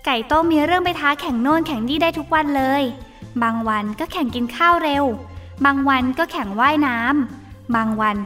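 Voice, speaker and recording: A woman's voice: sits high, moderate pace, soft background music. A woman voicing a curious, caring young girl who chats expressively in a children's audio drama. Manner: bright, chatty, expressive.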